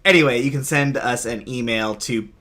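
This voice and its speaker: A man's voice: mid-range voice, normal speed, fairly bright tone. A man co-hosting a podcast who opens a segment in casual chat, breezy and a bit jokey. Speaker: podcast co-host.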